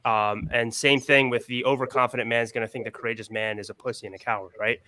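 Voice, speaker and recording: A man with a bright, ringing voice talks through his ideas on a casual podcast panel. He lays out his points at length and keeps tossing in "right?" to check the others are with him. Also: medium pitch, steady tone, fast talker.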